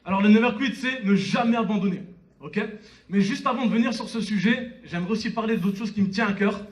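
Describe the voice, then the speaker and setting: A man's voice: high voice, fast talker. A man in his early twenties giving a motivational stage talk, addressing the audience directly and often checking in with them. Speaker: motivational speaker at a network marketing conference. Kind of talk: motivational stage speech with personal anecdotes. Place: on stage in a conference hall. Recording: live stage talk, distant from mic.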